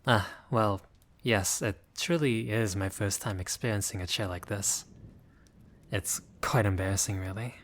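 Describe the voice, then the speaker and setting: Man acting a courteous, lowish-voiced friendly vampire. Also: a little slow, fairly bright tone. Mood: bashful. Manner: formal, polite, old-fashioned, hesitant phrasing. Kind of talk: intimate roleplay audio acting.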